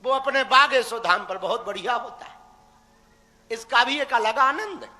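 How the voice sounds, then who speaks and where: A young man with a very high, bright voice preaches live to a crowd at a normal pace, his tone forceful as he exhorts listeners in a teasing, folksy way. The live religious talk carries echoey hall reverb.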